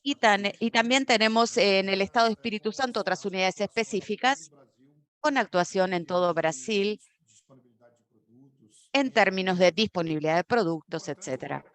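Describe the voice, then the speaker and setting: A woman giving a simultaneous interpretation of a corporate conference talk, steady but often correcting herself mid-word. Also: medium pitch, moderate pace. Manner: steady with frequent self-corrections and restarts.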